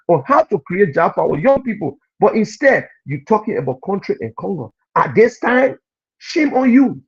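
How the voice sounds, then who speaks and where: A man's voice: high voice, slightly rough, dull audio. A Liberian man with a Liberian accent gives impassioned political commentary on a live radio and TV stream. He scolds the listeners and repeats his points for emphasis.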